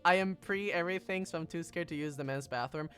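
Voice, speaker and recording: A woman's voice: lowish voice, quick pace, fairly bright tone, clear, resonant tone, soft background music. A trans woman hosting a casual stream chat, who repeats her phrases and laughs often. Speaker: VTuber streamer host.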